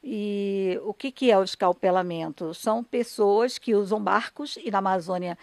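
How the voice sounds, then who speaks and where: A woman's voice: mid-range voice, normal speed, a little mellow, dry recording. A Brazilian woman, a radio dramatist and broadcaster, explaining her work conversationally and earnestly in an interview, often checking for agreement.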